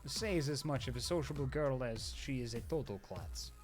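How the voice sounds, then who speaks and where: Bar patron, young woman, Russian accent, animated and friendly, voiced by a man. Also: medium pitch, moderate pace, soft background music, natural voice.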